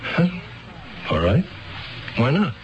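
Skeptical lawyer, stammery and sarcastic, voice jumps all over, dull seventies radio drama sound. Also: male voice, medium pitch, huge pitch swings, slow pace. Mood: sardonic, humoring. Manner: stammering, incredulous, sardonic. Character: flustered, skeptical defense lawyer, exasperated but smitten. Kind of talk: 1970s radio drama acting. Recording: muffled old radio broadcast.

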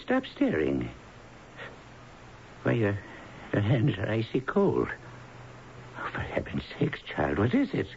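An actor playing a worried older father in a radio drama, fretful, halting and consoling. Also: on the low side, wildly swooping pitch, creaky, exaggerated voice. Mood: concerned, soothing. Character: worried, soothing, flustered father of grown daughter. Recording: hissy, dull vintage radio broadcast.

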